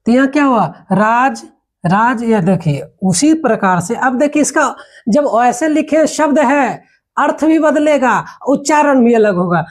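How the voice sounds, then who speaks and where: A man's voice: extremely high pitch, animated. Patient man teaching Hindi grammar. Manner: patient, repeats words slowly, checks in with "है ना". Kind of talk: classroom lesson.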